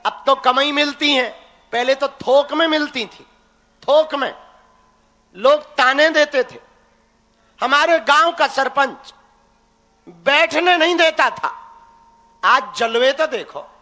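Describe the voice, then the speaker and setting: A young man preaches to a crowd, teasing and folksy as he presses his point. His voice sits very high and cuts through sharply. It rings out with a long reverb, as if in a big hall. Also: slow pace, pauses often, bright, forceful tone. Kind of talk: live religious discourse to a crowd.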